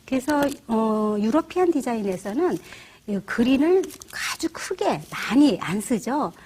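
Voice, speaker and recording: A middle-aged woman teaching church flower arranging, explaining each step gently and often asking the viewer rhetorical questions. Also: fairly high pitch, very animated, measured pace, a little hiss or hum. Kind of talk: instructional demonstration.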